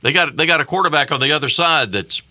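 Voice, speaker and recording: A man's voice: fairly high pitch, lively intonation, fast talker, bright, forceful tone, a little hiss or hum. A man appearing as a guest on a sports radio show, friendly and talking with frequent fillers. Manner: friendly, hesitant with many fillers. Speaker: bowl game executive guest. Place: radio studio.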